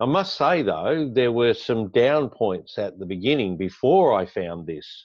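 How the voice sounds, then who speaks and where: At a fairly slow pace, an unremarkable speaking voice carries lively intonation. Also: man. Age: 60s. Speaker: webinar host, online trading promoter. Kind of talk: webinar presentation.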